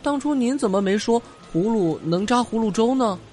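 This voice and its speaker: A man's voice: sits high, expressive, moderate pace, darkish tone, faint music behind, pitched above the performer's own voice. A man voicing an anxious young white rabbit full of questions in a children's bedtime story. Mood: puzzled. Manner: exclaiming, questioning.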